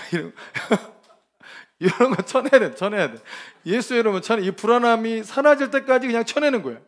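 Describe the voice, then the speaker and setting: At a ministry training, a man delivers a lively, informal sermon in an emphatic, colloquial style, often breaking into laughter. His voice is extremely high-pitched, and he speaks at a normal speed.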